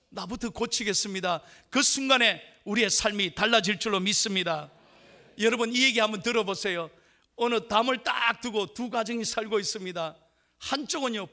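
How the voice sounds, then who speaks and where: A male pastor delivering a dramatic sermon, swinging from loud declarations to hushed whispers and leading the congregation in repeating lines. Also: very high-pitched, creaky. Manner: leads the congregation in call-and-response.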